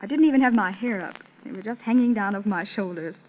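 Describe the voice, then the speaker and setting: A woman's voice: medium pitch, quick pace. Young woman on tinny old radio. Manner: modest and chatty, with light laughs. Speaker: interview guest, contest champion. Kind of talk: 1930s radio interview.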